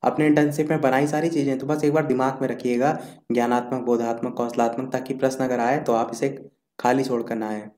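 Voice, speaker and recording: A man's voice: medium pitch, steady tone, brisk, darkish tone, roomy sound. A man giving an online revision lecture for an exam, reading out points as a list and repeating key terms while he scrolls through notes. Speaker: exam-prep teacher. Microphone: screen recording while scrolling notes.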